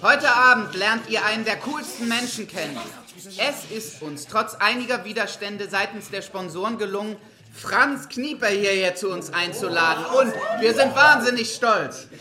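Medium-pitched voice, actor as enthusiastic teasing camp leader, rousing announcements, radio drama, group chatter behind. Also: lively intonation, moderate pace, close to an everyday voice. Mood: proud, rousing. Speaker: camp leader introducing a guest speaker. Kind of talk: naturalistic German radio crime drama.

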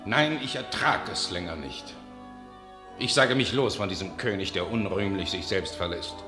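A man playing a blunt, proud warrior count in a classical radio drama, declaiming forcefully in a roomy sound. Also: deep voice, normal speed, over music, lightly acted. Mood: indignant. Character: blunt, proud, hot-blooded medieval French warrior count.

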